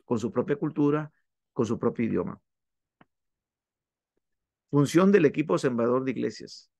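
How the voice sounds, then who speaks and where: A man delivers a classroom lecture in a steady, methodical way, going through lists item by item with short pauses between them. His voice has a gravelly edge. The recording is dry and close, with no room sound. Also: mid-range voice, no echo. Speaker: instructor. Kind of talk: classroom lecture on church planting.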